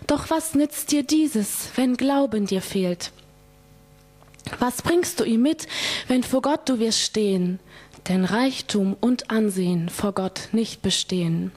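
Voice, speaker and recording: Woman reading out a rhyming poem, kinda high voice, really slow, earnest and measured. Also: darkish tone. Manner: measured, deliberate, earnest delivery with pauses. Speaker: poet reciting own poem at a church. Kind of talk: rhymed poetry recitation.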